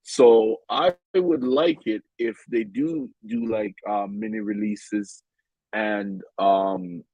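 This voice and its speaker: A man's voice: lowish voice, lively intonation, takes it slowly, darkish tone, no room sound, dull audio. A man with a stuffed-up, nasal voice giving casual game commentary in a rambling way, with many ums and restarts. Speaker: game vlogger.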